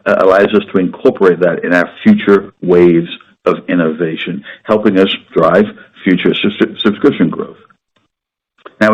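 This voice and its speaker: A man speaking as a company executive on an earnings call, croaky from a sore throat, measured and businesslike with the odd filler. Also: sits low. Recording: muffled conference-call audio.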